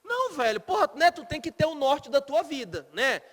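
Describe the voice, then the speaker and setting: A man lectures a law class in a very high, bright voice. He is blunt and profane, cracking jokes and throwing questions at his students. His voice rings out with a long reverb in the classroom. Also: big pitch swings, moderate pace. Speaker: law teacher.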